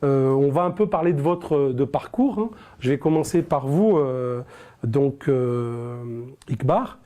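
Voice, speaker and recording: A man's voice: mid-range voice, slow pace, dark tone. A man hosting a studio interview, speaking with many fillers and restarts. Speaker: interview host. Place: studio set.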